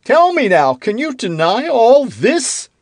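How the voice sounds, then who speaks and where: A man voicing a fretful, self-pitying king who turns irritable and accusing, with a high, whiny, petulant voice in an audiobook. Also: wildly swooping pitch, slow, no echo, studio quality, exaggerated voice. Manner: rising into indignant outbursts. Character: fretful, self-pitying middle-aged king, quick to anger. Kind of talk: audiobook character reading.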